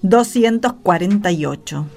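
A woman's voice: medium pitch, animated, normal speed, vocal fry, a little mellow. A woman playing a timid, compassionate wife cowed by her Pharisee husband in a radio play, meek and pleading. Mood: dutiful.

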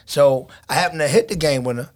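Fast-talking man in his thirties. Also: on the high side. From Baltimore, USA. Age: 30s. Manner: animated storytelling, teasing, quick joking. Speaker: podcast co-host and DJ. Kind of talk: casual chat.

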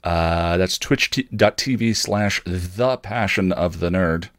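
A man's voice: low voice, slow, no room sound. A man hosting a podcast, giving casual, rambling announcements with dry, self-deprecating humour. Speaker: podcast host and streamer.

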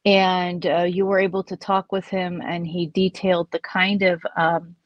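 Woman host, lowish voice, dry sound, measured and hesitant, video call interview. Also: level tone, dry recording, lo-fi sound. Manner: measured, hesitant with many fillers. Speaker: podcast host.

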